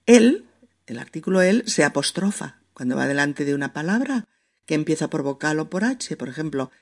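A language teacher who talks at a notably slow, unhurried pace. Each example word is said over again so it can be heard clearly. Frequent short check-ins keep the listener following along. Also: mid-range voice. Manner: repeats words slowly to show pronunciation. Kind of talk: spoken language lesson.

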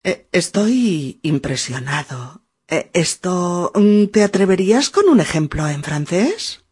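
A man's voice: high-pitched, big pitch swings, takes it slowly, a little mellow, slightly rough. Curious French-native man learning Spanish. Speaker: language learner. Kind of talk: podcast lesson dialogue.

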